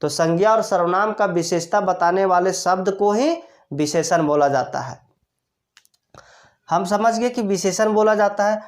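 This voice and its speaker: In this classroom-style explanation, a woman grammar teacher breaks the lesson into steps, asks herself rhetorical questions and answers them, and keeps repeating the key terms. She speaks at a measured pace in a mid-range voice.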